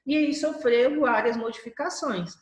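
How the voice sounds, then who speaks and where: A woman's voice: sits high, unhurried. A woman teacher giving a review lesson, drawing out syllables to show word stress. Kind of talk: recorded class review lesson. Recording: echoey room.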